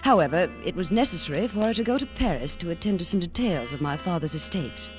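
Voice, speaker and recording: A woman's voice: lowish voice, expressive, fast talker, natural voice. An actress playing an earnest young English woman who narrates her story and speaks breathlessly, in 1940s radio acting. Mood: recounting. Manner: breathless, wide-eyed. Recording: muffled old radio broadcast with music.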